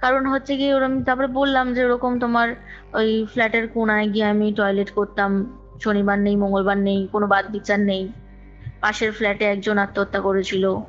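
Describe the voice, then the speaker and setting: Speaking fairly quickly in a mid-range voice with flat delivery, a female guest describes her own ghost experience. She's talkative, repeats phrases for emphasis and uses some English words, over music in a dull, lo-fi call recording.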